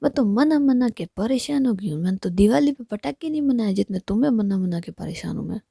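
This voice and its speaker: A woman narrator voicing a playful young woman pleading with her partner, mostly in a low whisper, with a creaky, husky voice. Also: expressive, brisk, dark tone, no room sound, studio quality. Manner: whispered, coaxing.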